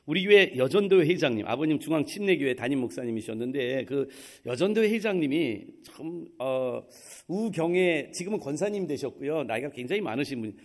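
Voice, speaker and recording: A man's voice: on the high side, lively intonation, a little fast, darkish tone. A middle-aged man preaching a sermon in a church, telling a personal story and acting out the voices of the people in it. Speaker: pastor. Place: church sanctuary.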